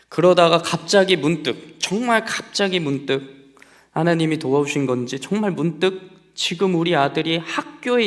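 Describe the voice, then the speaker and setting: A young adult man preaching to a congregation in a conversational, storytelling way and asking them questions. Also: fairly high pitch. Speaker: pastor. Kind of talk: sermon. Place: church sanctuary. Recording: long reverb of a church hall.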